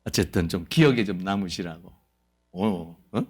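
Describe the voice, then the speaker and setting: A man preaching a sermon as pastor of a church, lively and playful, acting out quoted voices. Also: low-pitched, normal speed, breathy edge. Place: church sanctuary.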